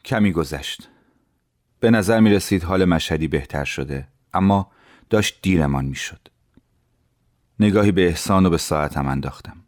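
A man giving calm, measured first-person narration for an audio drama. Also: deep voice.

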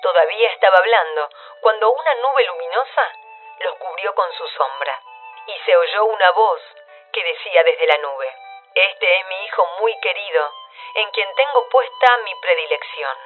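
A woman's voice: on the low side, lively intonation, moderate pace, narrow, tinny audio. A woman with an Argentine accent reading scripted narration as the narrator of a radio drama. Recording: background music under the voice. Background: music.

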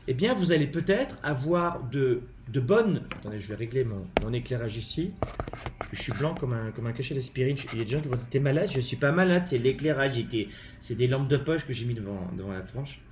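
A man with a French accent gives an emphatic, animated live-streamed talk on leadership from his home, his voice in the middle range. He stops often on hesitant fillers. The room sounds roomy, with faint ambience behind him. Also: mid-range voice, a little fast, background noise. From France. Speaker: leadership coach and live show host.

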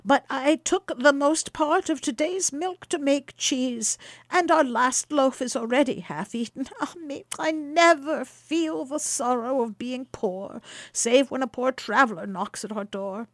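A woman's voice: high voice, a little slow, dry recording, pitched above the performer's own voice. A woman voicing a poor, kindly old peasant wife who fusses and apologizes in a raised voice. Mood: apologetic. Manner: apologetic, fretful.

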